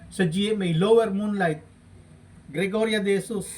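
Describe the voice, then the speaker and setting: A man's voice: high-pitched, a little mellow. A man from the Philippines taunts a rival in a mocking vlog rant, laughing and humming as he goes. He sits well back from the microphone. A faint noise runs under his voice. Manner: mocking, provoking, with frequent laughs and drawn-out hums. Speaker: vlogger. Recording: distant mic with faint background noise.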